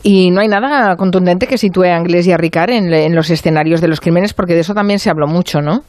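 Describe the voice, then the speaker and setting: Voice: mid-range voice, fast, a little mellow, dry recording. Radio host asking follow ups, says "ujú" a lot, dry close sound. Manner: questioning, short acknowledgements. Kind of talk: radio interview.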